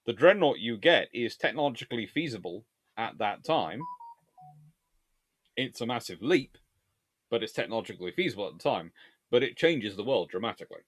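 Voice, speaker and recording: A man's voice: mid-range voice, expressive, a little fast, long pauses, no echo. A man hosting a live history chat, answering viewers in a rambling, discursive way like a lecturer thinking aloud.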